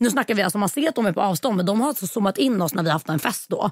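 A somewhat breathy woman with lively intonation, recorded dry and close with no echo. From Stockholm, Sweden. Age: 20s. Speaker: reality TV personality and influencer. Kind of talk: casual chat. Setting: studio.

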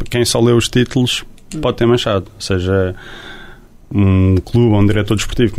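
A man with a fairly low voice talks fairly quickly as noticeable noise carries on behind him. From Luxembourg (Portuguese family). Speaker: football coach. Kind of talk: interview.

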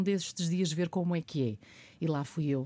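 In a very clean recording with a silent background, a woman with a dark, mellow tone talks at a fairly quick pace with ordinary pitch variation. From Portugal, Porto. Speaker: former TV journalist and presenter, author. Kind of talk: radio interview. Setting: radio studio.

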